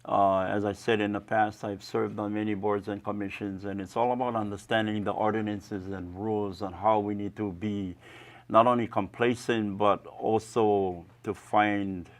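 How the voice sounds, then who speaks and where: A man speaks in a low, gravelly voice that stays almost flat. He introduces himself as a candidate in a studio, with measured, halting phrasing. He uses fillers and words. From Hawaii. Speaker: political candidate.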